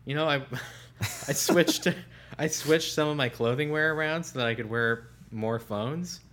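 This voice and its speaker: A man co-hosting a casual tech podcast as a smartphone editor, relaxed and trailing off quietly at the ends of phrases. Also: a little high, unhurried, slight background noise. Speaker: senior smartphone editor, co-host.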